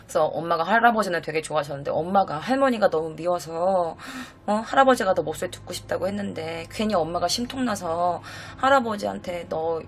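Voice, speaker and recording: A woman's voice: lowish voice, expressive, slight background noise. Young Korean woman telling a personal story. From South Korea. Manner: emotional, halting storytelling with many restarts. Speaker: host. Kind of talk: live-streamed ghost story telling. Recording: faint music under the voice.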